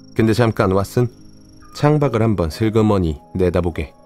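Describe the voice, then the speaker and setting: A man talks at a moderate pace in a calm, soothing tone with lively intonation. Music plays in the background. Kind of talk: audiobook reading.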